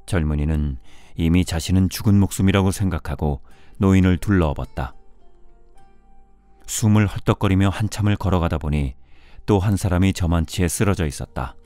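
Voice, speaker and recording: A man reading a storybook in a measured bedtime audiobook style, with music behind him. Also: deep voice, dark tone, no echo. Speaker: audiobook narrator. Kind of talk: scripted storybook narration for bedtime listening.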